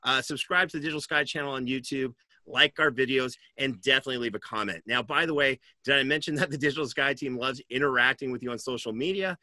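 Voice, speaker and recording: A man's voice: medium pitch, fast talker, pushed and bright, dry recording. A middle-aged man hosting a podcast over a video call, putting questions to a guest and addressing the audience. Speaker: podcast host. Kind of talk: interviewing and presenting to an audience.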